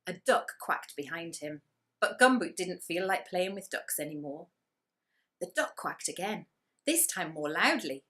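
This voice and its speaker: A woman reading a children's story aloud with expressive narration and dramatic emphasis on key words. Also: lowish voice, unhurried.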